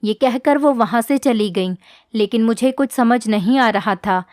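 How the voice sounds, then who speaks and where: A woman telling a heartfelt first-person story as a scripted narration, in a steady, earnest reading. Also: a little high, a little slow, no echo, studio quality.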